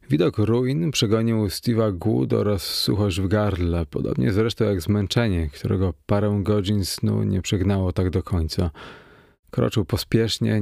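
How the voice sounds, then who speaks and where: Man reading an audiobook, low gravelly voice, steady pace, dry close sound. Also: no room sound. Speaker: audiobook narrator. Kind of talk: scripted narration.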